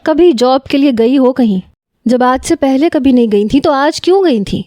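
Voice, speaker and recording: A firm, lecturing young man, protective and earnest, as a woman reader puts him on, in a storybook romance. The voice sits fairly high with a warm, mellow tone. It sounds close and dry, with no room around it. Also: no room sound, lightly acted. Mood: stern. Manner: firm, lecturing, then softly pleading. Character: young man, stern protective cousin in love. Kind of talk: scripted romance story narration.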